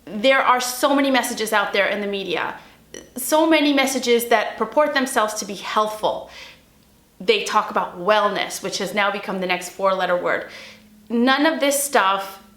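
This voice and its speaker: A woman's voice: medium pitch, moderate pace, a bit bright, roomy sound. A young adult woman, a recovery mentor, giving blunt, emphatic tough-love advice straight to camera. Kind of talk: direct-to-camera advice vlog.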